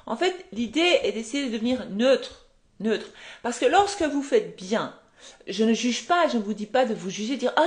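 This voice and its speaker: A woman coaching viewers on a live stream from home, conversational and explanatory, acting out quotes and asking rhetorical questions. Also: on the high side. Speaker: manifestation coach.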